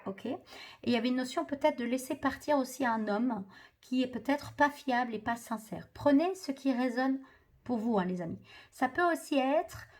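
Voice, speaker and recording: A woman's voice: high-pitched, lively intonation, normal speed, a little mellow. A woman doing a spiritual card reading for viewers, hesitant and full of fillers and restarts. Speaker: tarot card reader.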